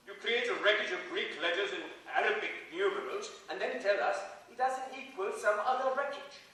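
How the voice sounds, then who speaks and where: A man's voice: high voice, a little fast, pushed and bright. A man playing an indignant, sarcastic friend, speaking with biting emphasis in a staged play reading. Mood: scornful. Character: Alfred, indignant, sarcastic male friend scolding a mathematician. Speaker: actor in a dramatised play reading. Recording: very echoey hall, distant microphone.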